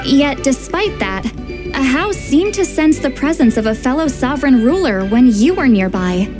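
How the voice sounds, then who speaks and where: A self-assured young female scholar from an anime game. Her voice sits fairly high, and she lays out old lore with precise, theatrical pride over background music. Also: big pitch swings, moderate pace. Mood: measured, explaining. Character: proud, scholarly young woman expert on ancient history. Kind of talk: anime video game story dialogue, expository. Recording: background music under studio dialogue.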